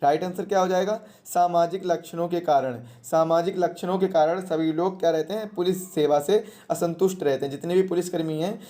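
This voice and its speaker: An exam coach with a mellow, relaxed tone teaches through questions and answers. The delivery is didactic, restating each point and asking rhetorical questions before answering them. The pitch sits in a middle register. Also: a little fast, hardly any pauses.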